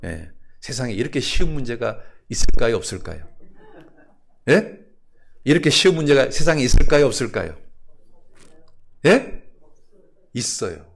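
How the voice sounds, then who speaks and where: A man's voice: medium pitch, big pitch swings, normal speed, creaky, pauses often. A male pastor preaching a sermon, keeps asking the congregation questions and telling a story with acted voices.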